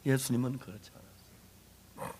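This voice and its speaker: A male pastor preaching an impassioned sermon, emphatic and repetitive, swinging from loud to hushed. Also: mid-range voice, steady tone, quick pace, slight background noise. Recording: long hall reverb.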